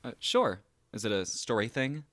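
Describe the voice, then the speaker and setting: A woman playing an easygoing, kindly young friend, talking casually and gently in an audio drama. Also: very deep voice, animated, normal speed, dry recording. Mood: gentle, casual.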